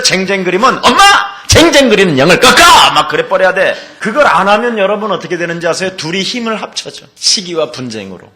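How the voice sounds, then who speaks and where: A male pastor preaching a Wednesday sermon in church, acting out family quarrels in different voices and breaking into shouts. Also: on the high side.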